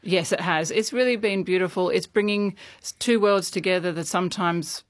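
A woman's voice: on the low side, normal speed, no echo, studio quality. Woman explaining her music project. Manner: explanatory, with frequent fillers.

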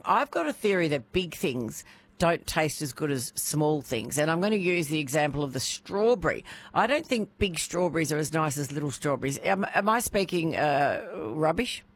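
A woman's voice: low-pitched, slight background noise. A woman hosting a talkback radio show, chatty and playful, laughing easily. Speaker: radio host.

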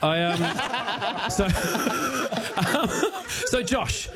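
A man's voice: high-pitched, big pitch swings, drawn-out words, over a noisy crowd. A man hosting a comedy quiz show, teasing his guests with a laugh. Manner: teasing, joking, often laughing.

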